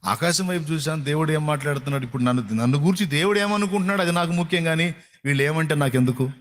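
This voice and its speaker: A man's voice: fairly high pitch, very fast, a bit bright. A male pastor preaching a sermon in a colloquial, repetitive style, firing rhetorical questions at his congregation.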